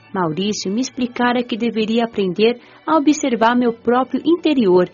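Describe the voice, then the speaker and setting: A woman playing a serene, grateful young female spirit, narrating a scripted radio drama in a measured, instructive way with a Brazilian accent. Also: on the high side, darkish tone. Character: nineteen-year-old female spirit, serene, grateful, eager learner. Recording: dull lo-fi audio with music behind. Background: background music.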